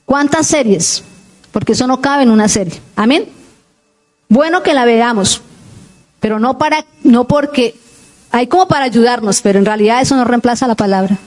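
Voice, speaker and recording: Woman pastor, high voice, preaches with fervor and keeps asking the congregation questions. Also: a little mellow. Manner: fervent preaching with questions to the congregation and repeated amén. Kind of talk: sermon. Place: church.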